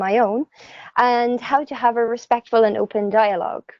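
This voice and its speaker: A woman with an Irish accent speaks at a fairly high pitch. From Ireland. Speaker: veterinary student, committee chair candidate. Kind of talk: candidate speech in online election. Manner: formal.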